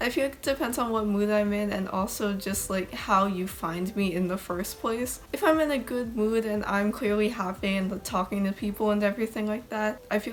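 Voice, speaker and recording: Noticeable background noise accompanies a woman speaking at a medium pitch with ordinary pitch variation. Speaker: beauty and lifestyle YouTuber. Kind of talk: casual vlog talk. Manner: pausing, halting.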